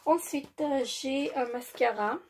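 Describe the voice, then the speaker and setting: Woman beauty vlogger, unhurried delivery, slightly husky tone, halting casual haul talk. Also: high voice, darkish tone. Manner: hesitant, many fillers, repeats "très joli"; apologizes for her English.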